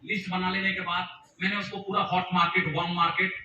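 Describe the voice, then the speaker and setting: Speaking fast in a high, bright, forceful voice with a flat delivery, a man tells a story to a business-meeting audience as a motivational speaker, animatedly voicing the characters' dialogue. The lo-fi sound comes from a distant mic in a noisy, echoey meeting hall full of people.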